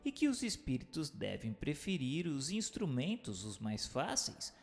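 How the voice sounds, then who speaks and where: A man reads a scripted book for radio in a formal, measured, didactic way. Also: a little high, wildly swooping pitch, gravelly, faint music behind. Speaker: narrator.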